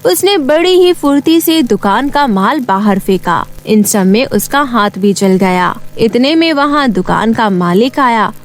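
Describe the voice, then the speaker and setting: A woman's voice: fairly high pitch, expressive, measured pace, few pauses. A woman reading scripted narration for a cartoon moral tale, in a storyteller's style. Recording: music behind the voice.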